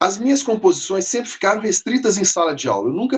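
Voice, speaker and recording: A man with a Minas Gerais accent speaks in a high voice. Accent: mineiro. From Minas Gerais, Belo Horizonte. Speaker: children's music teacher and songwriter. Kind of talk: casual chat. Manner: halting, frequent repetitions.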